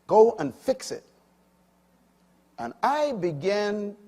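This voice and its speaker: An older man preaching a sermon, swinging from loud emphatic peaks to quiet low asides. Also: husky.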